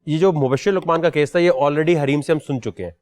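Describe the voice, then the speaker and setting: A man's voice: on the high side, darkish tone. A man hosting a talent show audition, questioning a contestant in a teasing, pointed way. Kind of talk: probing audition interview.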